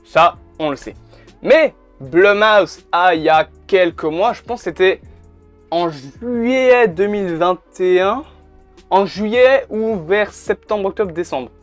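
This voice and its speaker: A YouTuber talks bluntly to camera in a casual commentary, swearing now and then. His voice sits high and he takes it slowly, recorded on the camera mic with faint music in the background.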